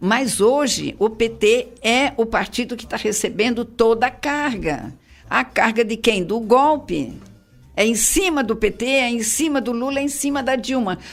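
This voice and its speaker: The speech moves at a fairly slow pace with ordinary pitch variation, and music plays in the background. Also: woman. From Santa Catarina, Brazil (Laguna). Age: 80s+. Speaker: dentist and political activist. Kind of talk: heated debate.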